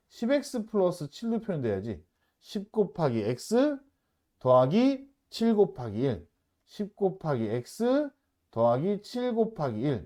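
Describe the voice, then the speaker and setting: Guy teaching math, pitch bouncing all over, keeps asking if the class got it. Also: warm tone. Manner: checks often with "알겠죠?", "됐죠?", switches between polite and casual speech. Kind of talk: lecturing at a whiteboard.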